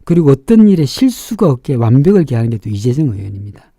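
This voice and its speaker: A middle-aged man speaks in a very dark, muffled-toned voice with a raspy edge. His pitch moves in lively swings as he explains and judges, leaning hard on key words. The recording is close and dry. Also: fast talker, no echo. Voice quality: sharp-edged, raspy. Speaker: fortune-teller and face reader hosting a show. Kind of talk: informal explanatory commentary.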